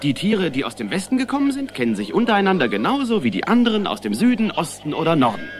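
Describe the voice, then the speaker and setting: Emphatic, high-voiced ark worker. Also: male voice, huge pitch swings, quick pace. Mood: eager. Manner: emphatic, theatrical. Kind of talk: German children's audio drama acting.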